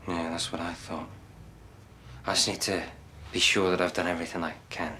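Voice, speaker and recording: A caring male doctor in a TV drama. His voice is low and bright, with calm, slightly hesitant delivery over clear background ambience. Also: moderate pace, a little hiss or hum. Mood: concerned, calm. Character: concerned, obliging male family doctor. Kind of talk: naturalistic TV drama acting.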